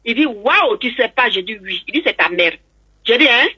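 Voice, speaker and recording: A woman's voice: on the high side, lively intonation, a little fast, sharp tone, slightly rough, lo-fi sound. A woman calling in to a talk show, recounting a personal story and acting out both sides of a conversation. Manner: acts out both sides of a dialogue. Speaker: caller.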